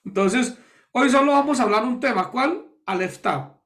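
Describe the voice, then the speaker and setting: High-voiced man teaching scripture. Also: fairly bright tone. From Colombia. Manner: explanatory, repeats key words slowly, addresses listeners directly. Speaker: pastor. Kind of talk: Bible study teaching.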